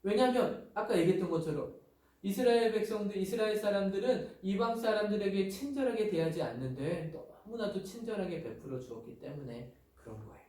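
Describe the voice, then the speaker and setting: Pastor giving a children's sermon, animated storyteller, high voice, heard from a distance in a very echoey room. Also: male voice, brisk.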